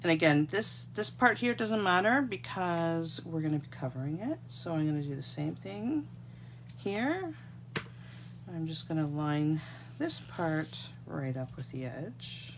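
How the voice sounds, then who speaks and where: Working at her craft desk under an overhead camera that shows just her hands, a congested Canadian woman getting a cold chats with viewers through a casual live card-making tutorial. Her low voice is sing-song and a little slow, with background noise.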